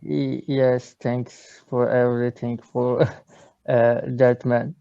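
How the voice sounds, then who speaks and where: A man with a Turkish accent speaks slowly and haltingly on a video call, with a lot of uhs as he hunts for English words. His voice is mellow and smooth, and the sound is dry and a bit dull. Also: mid-range voice, level tone, no echo. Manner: hesitant, searching for words, many uhs. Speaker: English learner. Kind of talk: casual video-call lesson chat.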